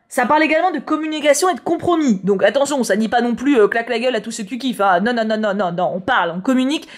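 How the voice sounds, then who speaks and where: Chatty, slangy young-sounding woman. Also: a little high. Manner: chatty, slangy, repeats words often. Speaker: YouTuber reading tarot horoscopes. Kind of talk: casual chat.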